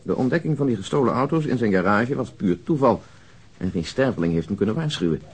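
An actor playing a methodical, unruffled police detective in a radio drama, dry and precise. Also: male voice, medium pitch, expressive, fast, breathy edge. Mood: dry, factual. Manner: matter-of-fact, precise.

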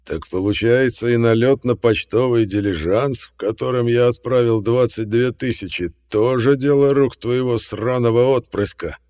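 A man voicing a domineering old colonel and grandfather in an audiobook, barking loud orders. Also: medium pitch, normal speed, few pauses, clean tone, no echo, studio quality, voice pushed up, lightly acted. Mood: suspicious. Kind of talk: audiobook reading.

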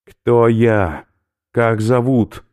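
A man voicing a brash, rough young male skinhead who talks loudly and bluntly in slang. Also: mid-range voice, extremely slow, voice pushed up. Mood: interrogating. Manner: loud, blunt, slangy, impatient.

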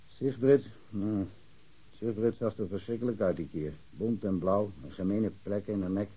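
A man's voice: lowish voice, moderate pace, dark tone, breathy edge, rough recording. An actor playing a talkative, blunt village policeman who speaks colloquially and with confidence in a naturalistic radio drama. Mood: wry, knowing. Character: chatty, blunt village policeman, worldly-wise and sure of himself.

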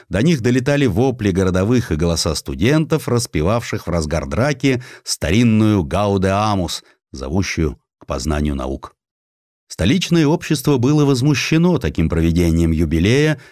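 A man narrating a satirical historical story in an expressive, theatrical, ironic manner. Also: fairly low pitch, dry recording, clean studio sound. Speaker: audiobook narrator.

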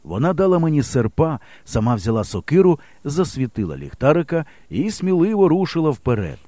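A man reading an audiobook in an expressive first-person narration style, telling the story with animated drama. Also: a little high, brisk, no echo. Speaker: audiobook reader.

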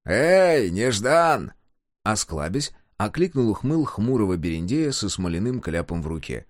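Male narrator, expressive storytelling, lively pitch, dry close mic. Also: normal speed, dry recording. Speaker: audiobook reader. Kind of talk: scripted narration.

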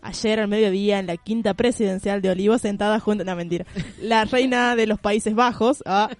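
A woman's voice: mid-range voice, fairly even intonation, normal speed, no echo. Woman, Argentine accent radio co-host, satirical news read, giggly and mocking, dry close sound. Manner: mocking, reads news aloud with frequent laughter.

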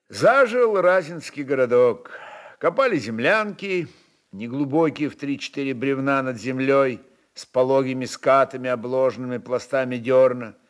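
A man narrating historical fiction in a measured, expressive, deliberate way. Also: medium pitch. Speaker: narrator reading a literary work. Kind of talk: dramatic literary narration of a historical novel.

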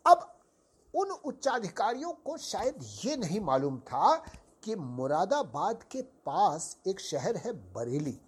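An older man from Uttar Pradesh with a sore, hoarse throat, hosting a podcast and telling a story in a formal, courteous way, addressing his listeners as sahib. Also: sits high, very animated, slow. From Uttar Pradesh, India. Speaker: podcast host. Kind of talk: slow reminiscing storytelling.

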